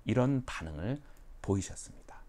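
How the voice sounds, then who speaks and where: A male pastor preaching a sermon for an online church, animated and acting out quotes. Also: fairly low pitch, normal speed. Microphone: online sermon recording.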